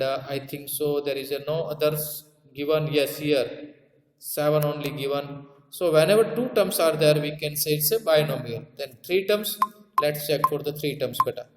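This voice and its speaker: A man with a South Asian accent teaching a maths lesson, repeating key terms and checking understanding with tag questions. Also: a little high. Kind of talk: classroom lesson explanation. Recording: echoey room with long reverb.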